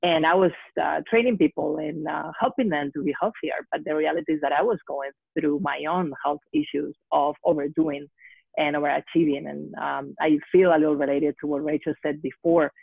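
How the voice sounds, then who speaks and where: A woman's voice: deep voice, fairly even intonation, a little fast, gravelly, slightly rough, dry recording. A woman from Spain with a Spanish accent, a guest on an online panel, speaking hesitantly with many fillers. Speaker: guest health coach. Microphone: video call. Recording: tinny phone-like call audio.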